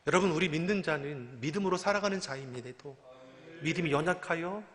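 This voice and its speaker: Male pastor, bright forceful voice, preaches with pointed rhetorical questions; long church reverb. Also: on the high side, quick pace. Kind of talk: sermon. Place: church sanctuary.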